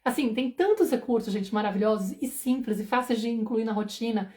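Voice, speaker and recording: Woman in her forties, parenting mentor on a live stream; rapid, slightly high voice, chatty, acts out worried inner voices. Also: dark tone. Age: 40s. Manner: fast, conversational, often asks "entendeu?"; acts out anxious inner thoughts.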